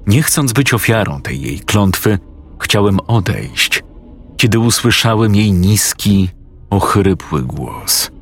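Deep husky man narrating a horror story. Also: very animated. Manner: slow, suspenseful first-person telling. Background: faint music.

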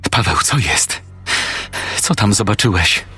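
Actor as an anxious young man in an audio horror story, slow bright voice, faint music. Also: on the low side, lively intonation, slightly rough, full character voice. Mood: worried. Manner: anxious, questioning. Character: shaken young man, the neighbour's friend.

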